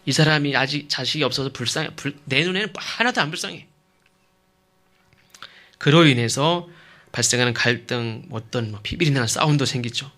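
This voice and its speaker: A man's voice: mid-range voice, moderate pace, bright, forceful tone. A man preaching a sermon as pastor, stressing points with rhetorical questions and checking in with the listeners. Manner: emphatic, asks rhetorical questions; checks in with the congregation.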